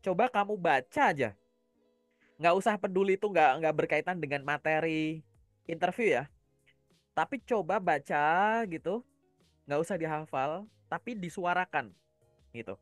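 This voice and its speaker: Guy from java coaching casually, kinda high voice, dry close sound, asks if you get it. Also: expressive, moderate pace, pauses often, dry recording, faint music behind. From Java, Indonesia. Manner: explanatory, asks listeners rhetorical check-in questions. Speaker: career coach.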